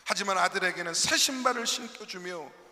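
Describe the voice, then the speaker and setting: A man preaching a sermon in a church, his fairly high voice cutting through with a very bright, sharp edge. He tells the story in a preacher's cadence and turns often to ask his congregation questions. A long reverb trails each phrase through the hall. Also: fairly quick. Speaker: pastor. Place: church sanctuary.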